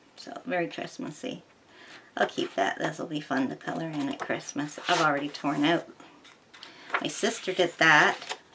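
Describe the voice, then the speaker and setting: A woman speaks with long, frequent pauses. Noticeable background noise runs under her voice. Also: fairly low pitch for a woman, lively intonation, moderate pace. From England (moved to Canada as toddler), raised in Canada. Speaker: YouTuber reviewing colouring books. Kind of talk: casual show-and-tell vlog. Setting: home recording, talking to camera. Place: home room. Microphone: camera far.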